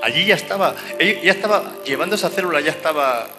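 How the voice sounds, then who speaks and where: A man's voice: on the high side, animated, fast, long reverb tail, music in the background. A man from preaching a fervent sermon and closing prayer, repeating phrases and saying "amén" often. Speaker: lay preacher and cell group leader.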